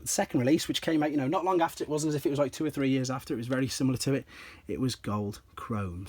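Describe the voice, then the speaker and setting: A slightly hoarse man, an enthusiastic toy collector, casually explaining and demonstrating pieces from his collection step by step, with frequent ums. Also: mid-range voice, darkish tone. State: slightly hoarse, clears throat.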